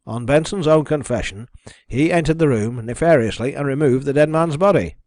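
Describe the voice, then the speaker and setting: A man's voice: medium pitch, a little fast, a little mellow, no room sound, clean studio sound, natural voice. Man acting a blunt, sceptical policeman. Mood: exasperated. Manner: blunt, challenging. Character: sceptical, exasperated policeman demanding facts.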